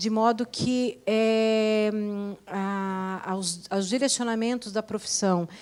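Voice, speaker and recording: This woman's fairly high voice moves with fairly even intonation. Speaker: psychologist, council panelist. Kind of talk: panel discussion answer. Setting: event hall with audience, streamed online.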